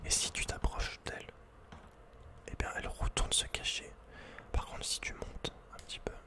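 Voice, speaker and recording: A man whispering casual, slangy, playful game commentary in a breathy ASMR style, close to the microphone. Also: moderate pace. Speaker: ASMR video game player.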